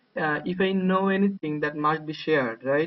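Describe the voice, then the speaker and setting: Delivered at a moderate pace with ordinary pitch variation, the speech comes in a Bangladeshi accent. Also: man. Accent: non-native, Bangladeshi. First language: Bengali. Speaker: university mathematics lecturer. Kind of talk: lecture. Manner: halting, many fillers and repetitions.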